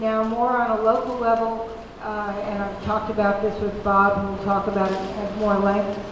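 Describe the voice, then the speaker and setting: A woman speaks at a medium pitch in a monotone, flat intonation and a fairly slow pace. Noticeable background noise and audible room echo come through. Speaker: election integrity activist; speaker. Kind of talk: conference panel talk. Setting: stage with audience. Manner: halting, many fillers. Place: hall. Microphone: handheld.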